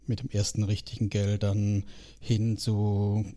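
A man's voice: lowish voice, completely flat delivery, unhurried, warm tone. A man in his late forties with a southern German accent, chatting casually as a podcast guest, rambling with fillers and tag questions. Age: 40s. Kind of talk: casual conversation.

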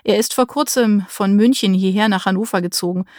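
A woman's voice: mid-range voice, fairly quick, darkish tone, no room sound, studio quality, lightly acted. A woman voicing a cheerful young man, the playful boyfriend in a romance audiobook, teasing and upbeat.

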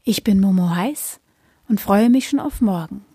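A woman hosts a storytelling broadcast, reading her lines calmly and with composure. Her voice sits in a middle range with a mellow, rounded tone. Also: medium pitch, normal speed, husky, no room sound, studio quality. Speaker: host. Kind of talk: scripted radio presentation.

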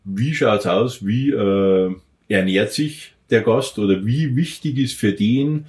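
A man with a Bavarian accent speaks in a fairly low voice, chatting as a podcast guest. He hesitates a lot, restarting sentences and filling gaps with "ähm". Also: slow, darkish tone, reverberant. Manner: hesitant, with many fillers and restarts. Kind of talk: casual interview talk.

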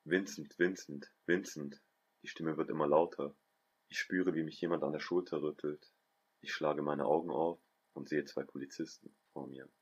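A man reading a first-person story aloud in a calm, even storytelling voice. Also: very deep voice, normal speed, breathy edge, dull audio. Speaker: guest narrator, host's brother.

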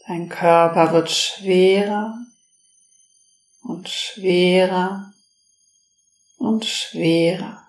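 A woman guides a relaxation meditation in a slow, soft and soothing way. Her voice sits a little low, with a gravelly edge. The room around her sounds roomy and echoey. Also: fairly even intonation. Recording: roomy echo.

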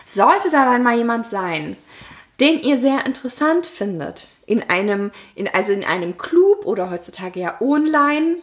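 A woman's voice: a little high, moderate pace. A woman, co-hosting a podcast and telling personal stories in a casual, playful, giggly way. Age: late 20s. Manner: giggly, playful, animated storytelling. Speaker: podcast co-host. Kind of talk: casual chat, personal storytelling.

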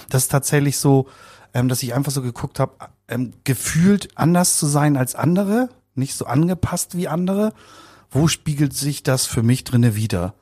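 A man's voice: medium pitch, darkish tone. A man of about fifty being interviewed, talking in a casual, rambling, colloquial way and often repeating words. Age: around 50. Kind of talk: casual conversational recollection.

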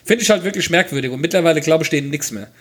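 A man's voice: on the high side, racing, a bit bright. A man co-hosting a podcast in casual chat, jokey and laughing often as he reads listener mail aloud.

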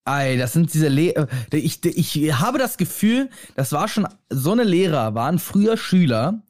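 A young man co-hosting a casual podcast, talking in animated, rambling stretches. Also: on the high side, measured pace, dry recording, clean studio sound. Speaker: podcast co-host. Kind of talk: casual chat.

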